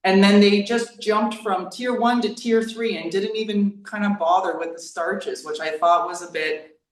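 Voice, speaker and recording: A woman's voice: medium pitch, steady tone, normal speed. Woman, 30s, casual rambling interviewee with lots of "like", roomy distant sound. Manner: rambling, peppered with "like". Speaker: YouTube creator on diet. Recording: echoey room, distant from the mic.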